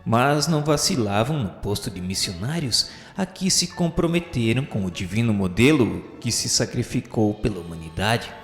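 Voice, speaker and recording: A man narrating a radio novela in a solemn, expressive way. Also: mid-range voice, normal speed, hardly any pauses, roomy sound, in a large hall, faint music behind.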